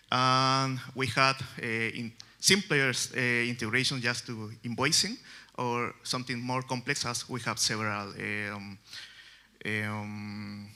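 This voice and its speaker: Chilean man presenting at a developer conference, very bright tone, halting English. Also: medium pitch. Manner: halting, many fillers and restarts, non-native phrasing. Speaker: conference speaker. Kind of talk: technical conference talk. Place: conference stage.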